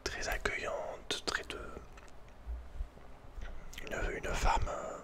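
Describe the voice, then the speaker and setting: A man telling a personal story in ASMR style, informal and hesitant, often searching for his words. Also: very slow. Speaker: ASMR creator.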